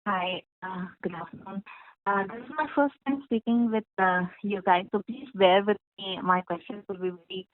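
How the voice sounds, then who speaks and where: A woman's voice: mid-range voice, fairly even intonation, normal speed. A woman calling in as an analyst, asking politely and hesitantly over call audio that glitches and breaks up. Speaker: analyst caller. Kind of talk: conference call question. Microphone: phone call. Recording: dry tinny phone line.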